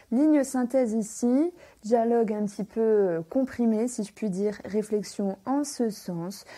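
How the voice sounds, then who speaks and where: A very slow pace, ordinary pitch variation and a dark, mellow tone, in a northern French accent. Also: woman, fairly high pitch for a woman. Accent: northern French (ch'ti). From northern France. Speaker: tarot reader. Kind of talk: tarot reading, horoscope. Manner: casual, with hesitations.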